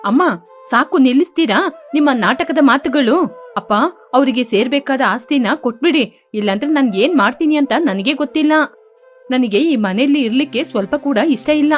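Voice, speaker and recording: A woman voicing a defiant, loyal teenage girl who scolds her parents in a sharp, indignant way. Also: high-pitched, animated, normal speed, faint music behind.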